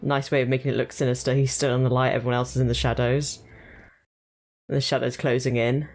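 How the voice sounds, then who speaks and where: A young woman giving casual, chatty reaction commentary while watching an episode, thinking aloud in quick asides. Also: extremely low pitch, level tone, darkish tone, faint music behind. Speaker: reaction video host.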